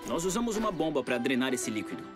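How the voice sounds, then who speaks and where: A male actor plays an earnest young man on a cartoon rescue team. He talks quickly in an explanatory way at a middling pitch, over prominent music. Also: very animated, close to an everyday voice. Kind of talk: animated cartoon dub.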